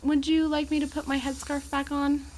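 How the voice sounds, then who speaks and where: A woman's voice: sits high, little pitch movement, normal speed, a little mellow, a little hiss or hum, natural voice. A woman playing an amiable, poised Gorgon educator in an audio drama, with articulate, genteel and reassuring phrasing.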